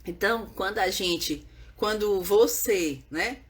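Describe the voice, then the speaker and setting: A woman's voice: mid-range voice, slow, breathy edge. A woman who teaches parents about baby sleep, talking earnestly and often checking in with her listeners. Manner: earnest, repetitive, checks in with "né?" and "certo?". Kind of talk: explaining to viewers on camera.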